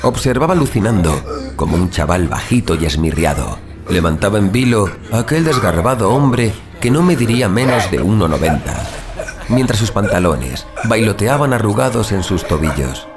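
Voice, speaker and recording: A man's voice: lowish voice, sing-song, normal speed, over music. A man playing a sadistic, darkly gleeful young vigilante killer who narrates a horror audio drama in a savoring, sardonic, literary way.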